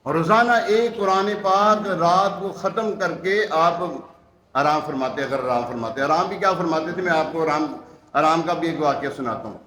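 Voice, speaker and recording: A man's voice: a little high, pushed and bright, reverberant. A man giving a religious sermon, telling stories and acting out the quoted lines with emphatic rhetorical questions. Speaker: preacher. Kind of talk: Urdu religious sermon with storytelling.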